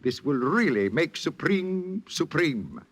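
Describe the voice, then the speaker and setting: An actor playing a pompous, grandiose movie studio boss in a 1940s radio drama, talking in lofty words. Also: male voice, fairly high pitch, sing-song, slow, full character voice. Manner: grandiose, lofty vocabulary, theatrical. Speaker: studio head.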